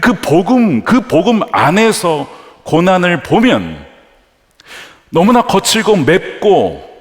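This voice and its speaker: A man's voice: high voice, sing-song, slow pace. Emphatic male pastor in an echoing church. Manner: emphatic preaching with rhetorical questions to the congregation. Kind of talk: sermon. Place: large church sanctuary. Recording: long church-hall reverb.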